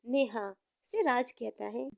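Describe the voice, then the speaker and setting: A woman's voice: fairly high pitch, expressive, takes it slowly, gravelly, no echo, studio quality. A woman narrating a moral story in an informal storytelling style.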